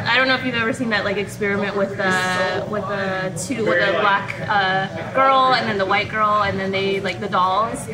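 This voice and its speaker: Amid noticeable background noise and audible room echo, a woman talks at a moderate pace and medium pitch with fairly even intonation and hardly any pauses. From US, Mexican-American family. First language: Spanish. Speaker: podcast guest, social worker. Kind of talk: casual chat. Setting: hot pot dinner in restaurant. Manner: halting, many fillers.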